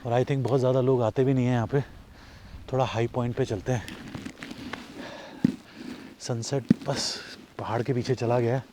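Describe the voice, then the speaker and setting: A man's voice: mid-range voice, fairly even intonation, normal speed, pauses often, background noise. A man with an Indian accent chatting casually as a travel vlogger outdoors, slipping English phrases into his talk. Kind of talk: casual vlog chat. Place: outdoors in a mountain valley. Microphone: camera's built-in mic after the mic battery died.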